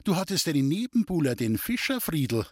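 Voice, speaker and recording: A man's voice: a little high, sing-song, brisk, dry recording, clean studio sound, pitched above the performer's own voice. A man doing a sly, teasing young girl. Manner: playful, knowing.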